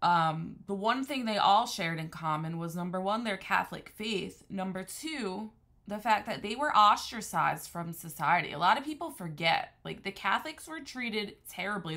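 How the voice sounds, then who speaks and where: A woman's voice: mid-range voice, animated, moderate pace, sharp tone. A woman from the New Haven, Connecticut area giving an unscripted religious monologue as a Christian commentator, earnest and discursive, often restarting her sentences. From New Haven, Connecticut area, USA.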